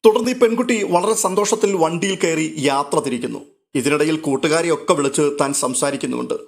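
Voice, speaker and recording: Slightly high male narrator recapping a serial. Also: fast talker, vocal fry. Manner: steady storytelling.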